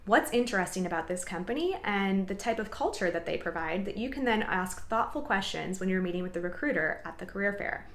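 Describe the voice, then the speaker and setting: Young woman, upbeat tidy advice vlogger, encouraging, organized delivery, medium pitch, roomy echo. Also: animated, brisk, few pauses. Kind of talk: upbeat advice vlog to camera. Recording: echoey room.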